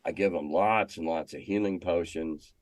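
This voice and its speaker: A man's voice: low voice, moderate pace, no room sound. An older man telling stories casually in an interview as a veteran game master, talkative and salty with dry humor.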